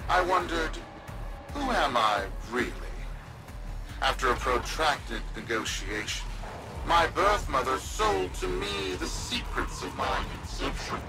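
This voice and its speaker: An actor playing a pompous, self-aggrandizing corporate demagogue, giving a theatrical speech full of oily false humility in a video game. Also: male voice, on the high side, lively intonation, takes it slowly, gravelly, exaggerated voice, rough recording. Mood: falsely humble. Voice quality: theatrical swooping delivery. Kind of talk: theatrical broadcast speech to followers. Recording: loud music behind. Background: loud music.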